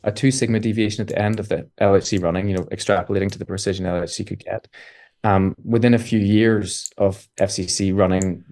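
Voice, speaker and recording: Low-voiced man, measured physicist guest. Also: steady tone, a little mellow. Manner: thoughtful, measured explaining. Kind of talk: casual interview talk.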